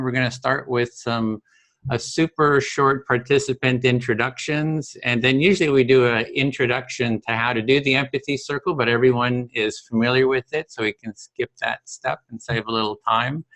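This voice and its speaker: A man's voice: mid-range voice, normal speed. A man running an online meeting, laying out the plan steadily with a few fillers, over a video call. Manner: organizing, steady with frequent fillers. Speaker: facilitator of an online empathy circle. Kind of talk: casual meeting facilitation.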